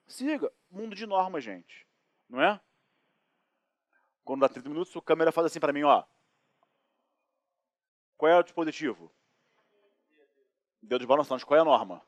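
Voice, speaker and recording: Brazilian guy teaching law, kinda high voice, jokey, acts stuff out, keeps asking questions. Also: dry recording. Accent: Brazilian Portuguese. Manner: lively, joking, acts out anecdotes and asks rhetorical questions. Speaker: law lecturer. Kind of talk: recorded classroom lecture.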